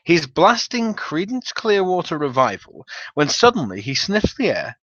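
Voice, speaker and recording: A man narrates a comic gaming tale as a dramatic reading. His delivery is theatrical and wry, with very lively intonation and a bright, forceful edge. The sound is dry and a little dull. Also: a little high, measured pace, dry recording. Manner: theatrical storytelling with wry emphasis. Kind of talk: dramatic reading of a comic tabletop-game story.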